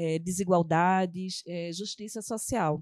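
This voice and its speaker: Against a quiet background, a woman speaks at a medium pitch with a dark, mellow tone, the sound dry and close with no echo. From Brazil, Recife (Pernambuco, Northeast). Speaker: professor and gender researcher. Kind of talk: panel discussion.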